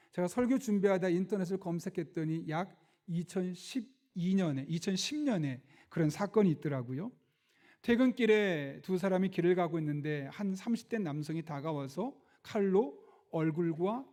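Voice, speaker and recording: High, mellow-voiced male pastor preaching. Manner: storytelling with acted-out quotes, gentle humor. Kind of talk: Sunday sermon with announcements and prayer.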